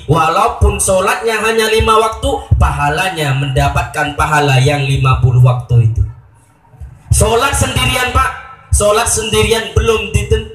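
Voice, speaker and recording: A man preaching a lively sermon, telling a story, acting out voices and asking the crowd questions. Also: high-pitched. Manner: animated, acts out voices, chants takbir, asks audience questions. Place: outdoor religious gathering with PA speakers. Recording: echoey PA sound from far off, faint music.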